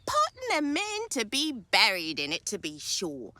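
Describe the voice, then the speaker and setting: A woman's voice: a little high, huge pitch swings, a little slow, sharp tone, heavily acted. A woman playing a gloating, callous servant thief with sly relish in a Victorian radio drama. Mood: scornful. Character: brazen, gloating female thieving servant in Victorian slum. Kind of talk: theatrical radio play acting.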